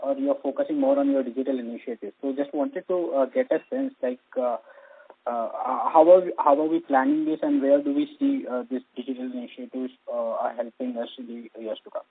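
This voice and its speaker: Husky, lively man calling in. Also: mid-range voice, fairly quick. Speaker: analyst caller. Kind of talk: earnings call questioning. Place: conference phone call. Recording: muddy narrow phone line.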